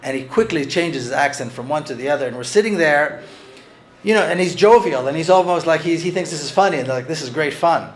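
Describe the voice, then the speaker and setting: A man's voice: fairly high pitch, expressive. A man talking earnestly about his book, often restarting his phrases. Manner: earnest, halting with frequent restarts. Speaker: author discussing his book. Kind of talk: conversational talk with read-aloud passages.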